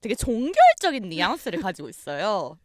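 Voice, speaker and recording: A woman's voice: mid-range voice, huge pitch swings, a little fast, no room sound. A woman arguing in a playful mock debate, theatrical, drawing out words for emphasis and laughing often.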